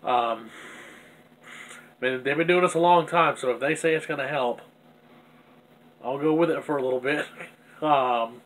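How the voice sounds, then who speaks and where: A man's voice: medium pitch, a little slow, pauses often, fairly bright tone, low-quality recording. A man with a stuffy nose talking candidly and self-critically in a rambling personal video diary. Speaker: vlogger.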